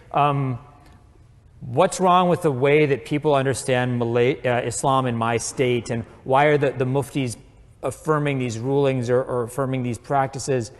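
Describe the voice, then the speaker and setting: A man speaking as a guest at a public talk, answering an audience question in a measured, thoughtful way with many fillers and restarts. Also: mid-range voice. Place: lecture hall. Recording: long hall reverb.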